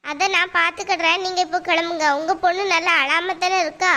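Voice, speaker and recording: A woman's voice: very high-pitched, level tone, a little fast, pushed and bright. A woman voicing a patient cartoon teacher. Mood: calm firm. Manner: soothing, firm, reasoning. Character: patient school teacher, calm and weary. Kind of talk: cartoon voice acting.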